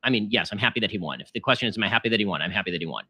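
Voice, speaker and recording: A man speaks very quickly and precisely in a debate clip. His voice is a little low and bright, and he picks his words in a lawyerly way. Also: lively intonation, husky. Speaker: debate participant.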